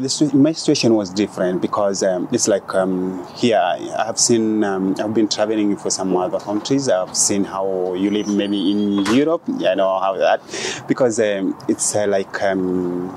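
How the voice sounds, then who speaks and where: A young man from Kenya, a guest in an interview, speaking haltingly with many restarts, on a lapel mic in an outdoor dome. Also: fairly low pitch, noisy background. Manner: halting, with frequent restarts and fillers. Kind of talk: conversational interview. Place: outdoor glass dome on a city square.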